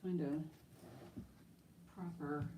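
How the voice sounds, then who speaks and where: A woman's voice: sits low, steady tone, very slow, mellow. A woman hosting a live-stream jewelry auction, chatty and enthusiastic, talking to herself as she handles the pieces.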